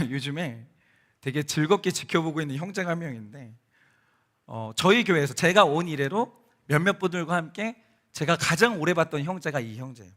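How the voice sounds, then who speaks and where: A male pastor giving a sermon in a conversational, storytelling way, speaking straight to the congregation and acting out the people in his stories. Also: high-pitched. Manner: animated storytelling, acts out quoted voices; conversational, addresses congregation directly. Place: church sanctuary.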